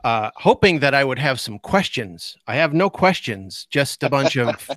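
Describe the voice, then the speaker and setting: A man's voice: mid-range voice, very animated, moderate pace, fairly bright tone, no room sound. A man as guest host of a podcast, gushing with enthusiastic fan praise in casual chat.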